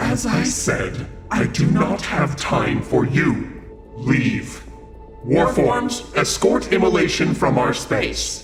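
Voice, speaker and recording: Over loud music in the background, a man in a put-on character voice speaks at a very slow pace with a clear echo. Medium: audio drama. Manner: formal, measured.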